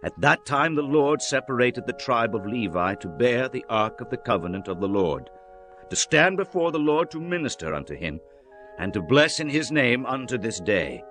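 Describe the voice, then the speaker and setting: A man's voice: medium pitch, sing-song, natural voice. Man playing a solemn prophet over music. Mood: solemn recounting. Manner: solemn, declamatory, measured. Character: solemn male prophet exhorting his people. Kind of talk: dramatized scripture audiobook reading. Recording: music under the voice.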